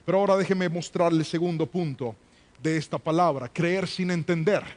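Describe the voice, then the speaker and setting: High-voiced preacher. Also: male voice, fairly quick. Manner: rhetorical, call-and-response with congregation. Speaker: associate pastor. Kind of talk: sermon. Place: church before a congregation.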